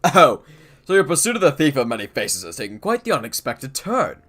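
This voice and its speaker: Man doing a booming, flowery nobleman. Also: huge pitch swings, a little fast, fairly bright tone. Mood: grandiose. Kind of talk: game dialogue read aloud.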